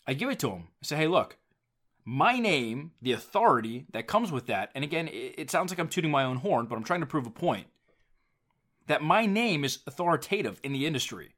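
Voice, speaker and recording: A man's voice: on the high side, sing-song, a little fast, a bit bright. A man hosting a solo podcast, talking casually and emphatically about business, often repeating words as he drives a point home. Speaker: podcast host; business coach and writer.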